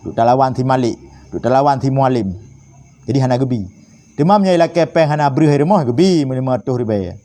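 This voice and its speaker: A man's voice: mid-range voice, brisk, dark tone. A man with an Acehnese accent giving a heated, rambling political commentary monologue. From Aceh, Indonesia. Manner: heated, rambling, switching between Acehnese and Indonesian.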